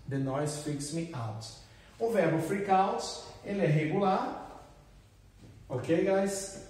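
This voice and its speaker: A man teaching an English lesson in a classroom, explaining slowly and repeating drill phrases. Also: a little high, darkish tone. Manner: switches between explaining and acted example exclamations, slow repeated drills. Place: classroom with whiteboard. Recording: echoey room, voice from a distance.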